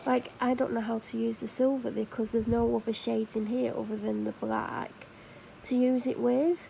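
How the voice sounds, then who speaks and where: Woman, Mancunian accent, casual makeup vlog chat, mellow slightly high voice, rambling. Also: flat delivery, normal speed, gravelly, a little hiss or hum, poor audio. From Manchester, England. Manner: chatty and rambling, many fillers and self-corrections. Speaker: vlogger.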